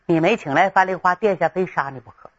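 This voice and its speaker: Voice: mid-range voice, fast, fairly bright tone, dull audio, pitched below the performer's own voice, natural voice. A storyteller voicing an anxious, blunt male officer who talks urgently.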